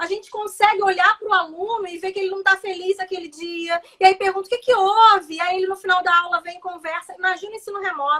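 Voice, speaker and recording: A woman's extremely high, raised, projected voice, bright and sharp in tone, very fast with hardly any pauses and big swings in loudness. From Brazil. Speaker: university pharmacy professor. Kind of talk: casual live stream interview. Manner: animated.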